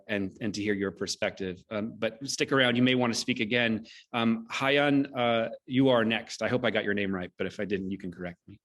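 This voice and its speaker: A man hosting an online discussion, speaking in a halting, reflective and appreciative way as he moderates. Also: on the low side, fairly bright tone. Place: online video call.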